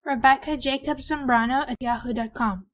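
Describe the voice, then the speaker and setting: A woman's voice: high-pitched, fairly even intonation, normal speed, a bit bright. A woman playing a young female character in an audio drama, speaking plainly and precisely. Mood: earnest. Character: young woman dictating details amid danger.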